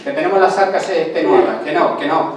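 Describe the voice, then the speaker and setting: A man's voice: on the high side, lively intonation, fairly quick, a little hiss or hum, lightly acted. A man putting on the voice of an impatient king who keeps refusing, heard in an echoey hall from far off. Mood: exasperated. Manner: exasperated, nagging. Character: impatient, exasperated middle-aged king.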